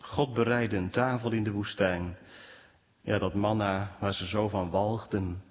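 A man preaching a sermon to his congregation, speaking with animated swings in pitch. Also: a little slow. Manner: animated preaching, rising pitch when quoting complaints. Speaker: pastor. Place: church. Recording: dull sound with long church reverb.

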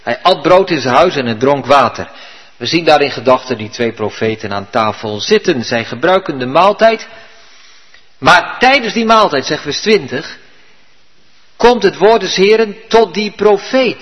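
A man's voice: on the high side, lively intonation, measured pace, fairly bright tone, breathy edge. A male pastor preaching a sermon in church, telling the story vividly and earnestly. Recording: dull recording with long hall reverb.

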